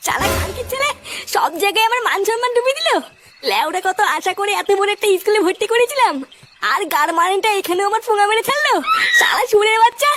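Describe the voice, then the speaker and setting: A woman's voice: very high voice, lively intonation, fast, a bit bright, raised voice. A woman voicing a hot-tempered, foul-mouthed village man in a comedy cartoon, crude and ranting. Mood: angry, exasperated.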